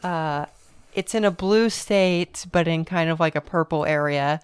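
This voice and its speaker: A woman's voice: sits low, unhurried, smooth. A woman co-hosting a podcast in casual chat, wry and rambling, often restarting her sentences. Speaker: podcast co-host.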